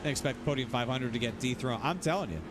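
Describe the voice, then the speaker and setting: A man's voice: mid-range voice, animated, fast talker, heavy background noise. A man streaming sim racing, ranting casually, rambling and repeating himself, swearing freely. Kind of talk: casual livestream rant.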